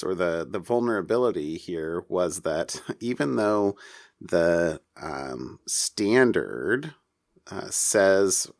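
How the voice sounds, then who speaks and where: Male podcast co-host, low register, halting conversational delivery on tech news, dry acoustic. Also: vocal fry, no room sound. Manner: halting, thinking aloud. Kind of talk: casual tech news discussion.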